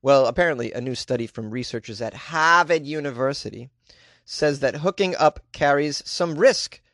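A man's voice: mid-range voice, moderate pace, fairly bright tone, no echo, clean studio sound. A man hosting a comedy show, reading odd news stories aloud and mocking them with incredulous asides and laughter. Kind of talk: comic commentary on news stories.

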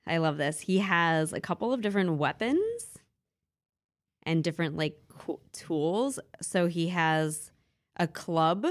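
A woman's voice: on the low side, expressive, takes it slowly. Chatty woman retelling myths with fillers. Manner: chatty, many fillers, giggly. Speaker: podcast co-host. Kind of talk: casual chat about mythology.

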